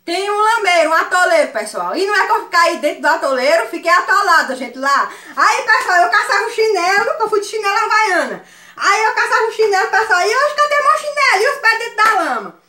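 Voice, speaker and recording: A woman with a Northeastern Brazilian accent telling a funny story to her viewers, animated and laughing often. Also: extremely high pitch, quick pace. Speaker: vlogger. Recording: echoey room sound.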